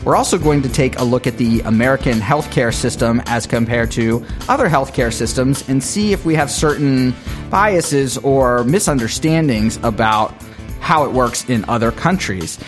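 A man hosting a podcast, reading sponsor ads in a smooth scripted way and introducing his guest. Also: medium pitch, normal speed, soft background music. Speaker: podcast host. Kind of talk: read ads and interview intro.

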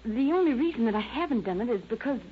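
A woman's voice: fairly high pitch, animated, quick pace, natural voice. A woman playing a polite, anxious young American shopgirl in a 1930s radio crime drama. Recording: dull, noisy old radio recording.

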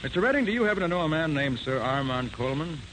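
A shrewd male detective from an old radio crime drama. He is self-assured and coolly polite, with very lively pitch. The recording is noisy, 1940s radio. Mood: politely needling. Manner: brisk, coolly polite, probing.

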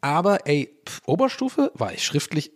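A man's voice: on the high side, very animated, normal speed. A man in his thirties from Dublin, a native English speaker, hosting his own podcast in a rambling, self-mocking casual chat full of fillers, restarts and playful swearing. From Ireland, Dublin. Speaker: podcast host.

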